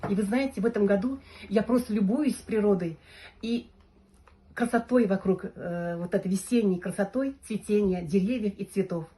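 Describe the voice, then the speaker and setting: Warm-toned woman in her fifties. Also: mid-range voice, normal speed. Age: 50s. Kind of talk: testimonial.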